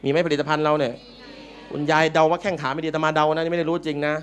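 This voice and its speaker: A Buddhist monk giving a playful, joking dharma talk to a live audience in a large meeting hall. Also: male voice, on the high side, little pitch movement, very fast, smooth.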